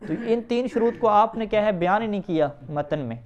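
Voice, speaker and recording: This high-voiced male grammar teacher has lively intonation as he reads Arabic at speed and follows with explanations in Urdu during a classroom lesson. He asks his students questions, then supplies the answers himself, and the recording is dull and lo-fi.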